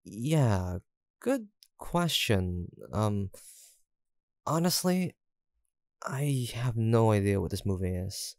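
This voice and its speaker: A man's voice: on the low side, a little mellow, no room sound. A young man acting an easygoing, teasing, affectionate student roommate in an intimate, casual roleplay audio drama, with hesitant banter. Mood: playful, relaxed. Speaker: voice actor.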